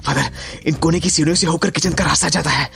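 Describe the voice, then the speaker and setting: An actor playing an earnest, brave young lawyer in a horror audio drama, anxious and insistent. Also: male voice, fairly high pitch, fast, vocal fry, a bit bright, faint music behind. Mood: worried, pleading.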